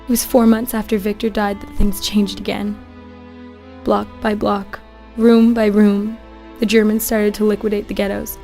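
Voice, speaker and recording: Sombre, even-toned young woman remembering the ghetto, acted. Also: mid-range voice, close to an everyday voice. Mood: grieving, bitter. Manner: measured, sombre, reflective. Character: grieving young Jewish woman recalling life in the Warsaw ghetto. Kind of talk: scripted dramatic first-person narration. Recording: music behind the voice.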